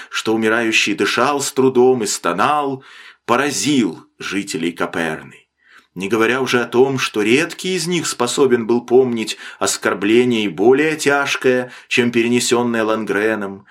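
A man narrating a classic novel as an audiobook, with an expressive, dramatic reading that slows down for emphasis. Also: medium pitch. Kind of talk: scripted literary narration.

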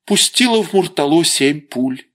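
A man's voice: a little high, expressive, normal speed, a bit bright, pitched above the performer's own voice. A man voicing a shaken young boy who answers his mother in short, subdued replies.

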